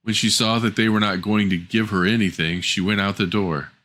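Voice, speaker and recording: A man's voice: lowish voice, fairly even intonation, brisk, fairly bright tone. A man reading a scripted fairy tale as a storyteller.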